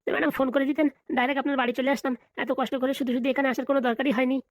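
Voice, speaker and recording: A woman's voice: sits high, level tone, racing, no room sound. A woman voicing a deferential, flustered police officer in a comedy cartoon, hesitant and placating.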